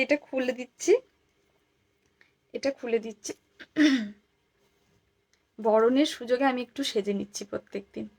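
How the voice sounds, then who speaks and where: A woman with a hoarse, worn voice talks softly on a live stream, showing jewellery and repeating each price again and again. Her voice sits a little high, and the chat is loose and friendly toward the viewers. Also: poor audio.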